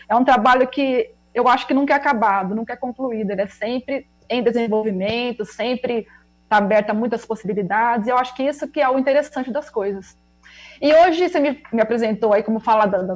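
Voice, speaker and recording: A woman's voice: a little high, poor audio. A woman with an interior São Paulo accent, a researcher and teacher trainer giving a reflective, explanatory talk over a video call. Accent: interior São Paulo (rolled caipira R). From interior of São Paulo state, Brazil. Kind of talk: web conference presentation.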